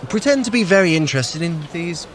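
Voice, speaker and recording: A sly trickster god guides a runner through an audio drama. The pitch moves freely as he gives furtive, commanding instructions, over clear outdoor bustle. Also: sing-song, fairly quick, a little hiss or hum. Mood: urgent, furtive. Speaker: workout guide.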